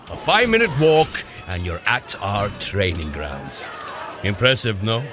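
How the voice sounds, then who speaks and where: An actor playing a boastful, jovial warrior god prince in an audio drama, with a showy manner and grand old-fashioned phrasing. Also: male voice, on the low side, wildly swooping pitch, a little slow, music in the background. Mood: proud, jovial. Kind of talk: audio drama acting for a guided workout.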